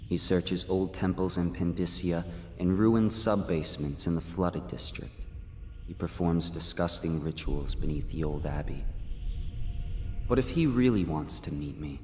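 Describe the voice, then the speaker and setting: An actor playing an aloof, enigmatic supernatural being, speaking in a detached, cryptic monologue for a video game. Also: male voice, low voice, unhurried, a little hiss or hum. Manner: detached, cryptic, faintly disdainful. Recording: long echoing reverb, music behind.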